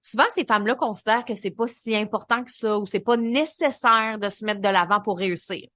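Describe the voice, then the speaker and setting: A woman with a Québécois French accent hosting a solo podcast, coaching in a lively, colloquial way. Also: mid-range voice, brisk, no echo. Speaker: podcast host and business coach.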